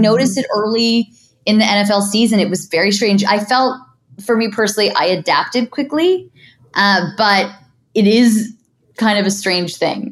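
The speaker sounds enthusiastic and somewhat breathy, moving at a moderate pace. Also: woman. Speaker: podcast host. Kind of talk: casual interview.

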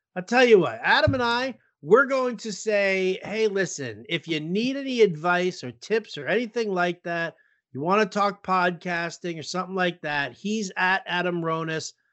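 A loud man with a high pitch, an animated tone and lively intonation, at a moderate pace. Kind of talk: casual chat.

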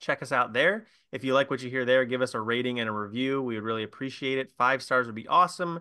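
Talking very fast with an American accent, a man keeps a medium pitch with ordinary pitch variation. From Maryland (Baltimore area). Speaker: podcast host. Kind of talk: casual chat.

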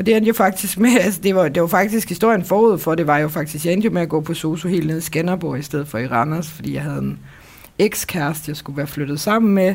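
Her pitch variation is ordinary. The woman talks at a fairly quick pace. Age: 20s. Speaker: single mother and university student. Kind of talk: casual interview.

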